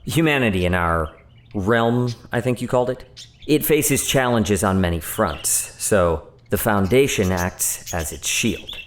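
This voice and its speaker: An actor playing an earnest, wary scientist from a secretive agency in an audio drama, formal and explanatory. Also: male voice, on the low side, expressive, unhurried. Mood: matter-of-fact.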